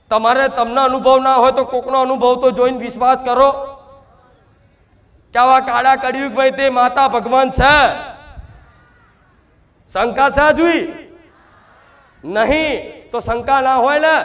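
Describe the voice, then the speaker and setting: A man, speaking loudly as a spirit medium in a trance sermon to devotees, full of repetition and rhetorical questions. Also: very high voice. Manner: loud, shouting, declamatory.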